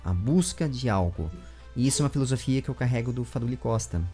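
A man in his twenties with a Brazilian accent, hosting a casual interview in an animated, rambling way, speaking into a close desk microphone at home. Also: mid-range voice, quick pace, soft background music. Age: 20s. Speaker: interviewer and show host. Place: small room with bookshelves at home. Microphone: large desk microphone with foam windscreen, close.

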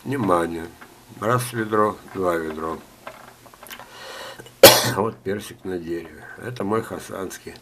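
An older man with a low voice talks through a gardening lesson at home and keeps stopping to cough. He reads letters aloud and drifts into chatty, joking asides. A faint hum sits behind him. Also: slow, pauses often. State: ill, coughing. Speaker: gardening teacher. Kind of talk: screen-share talk reading viewer letters.

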